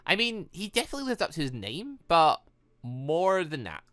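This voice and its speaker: Man as young visual-novel protagonist, bookish and earnest, wordy and awkward, animated pitch, dry sound. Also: moderate pace, no echo. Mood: fascinated.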